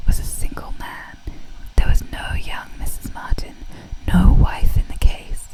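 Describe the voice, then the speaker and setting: Someone whispers at a fairly slow pace. Noticeable background noise is present. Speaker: ASMR audiobook reader. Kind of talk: audiobook reading. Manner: whispered.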